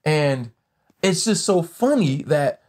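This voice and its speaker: A man's voice: on the high side, lively intonation, slow, darkish tone. A man hosting a podcast interview, speaking thoughtfully with many fillers and long questions. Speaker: podcast host. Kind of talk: conversational interview.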